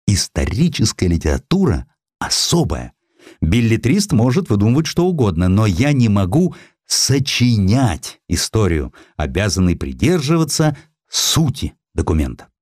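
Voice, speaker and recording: Candid, polite military historian, performed by a male narrator, deep, reflective, audiobook drama. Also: big pitch swings, normal speed, a little mellow, no echo, studio quality. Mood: earnest.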